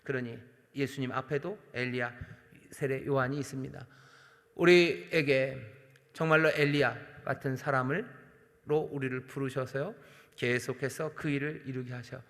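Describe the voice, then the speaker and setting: A man, a senior pastor, preaching earnestly at a night prayer service, addressing the congregation directly with emphatic swells and soft drops. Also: mid-range voice, steady tone, moderate pace. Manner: addresses the congregation directly and voices God's questions. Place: large church sanctuary. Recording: long hall reverb from church sanctuary.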